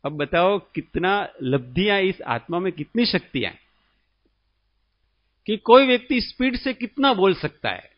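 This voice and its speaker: A man from India, a spiritual teacher, gives a religious discourse in a high voice, slowly explaining and asking his listeners questions. The recording is dull and lo-fi, and his voice sounds dry and close. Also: sing-song, dry recording.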